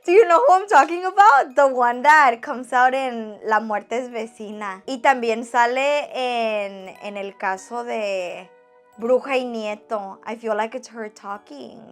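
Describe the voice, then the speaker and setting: A woman's voice: fairly high pitch, a little slow, a bit bright, soft background music. A woman casually narrating and reacting as a vlogger, slangy and sweary, slipping between English and Spanish. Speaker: vlogger narrating and reacting to creepy phone call recordings.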